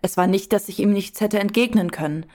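A woman's voice: medium pitch, a little fast, warm tone, lightly acted. A woman playing a devout follower in a German audio drama, giving earnest, reverent testimony about her youth. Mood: awed, remembering. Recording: music under the voice.

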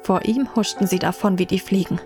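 A woman playing a reflective first-person narrator in a German radio play, telling a medieval tale in measured literary style. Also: medium pitch, steady tone, darkish tone, close to an everyday voice. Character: reflective female narrator recalling her medieval childhood. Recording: music behind the voice.

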